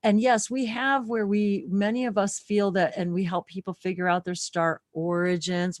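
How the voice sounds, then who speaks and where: Low-voiced woman musing in spiritual chat. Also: dry recording, clean studio sound. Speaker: host. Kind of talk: casual spiritual chat on a live stream.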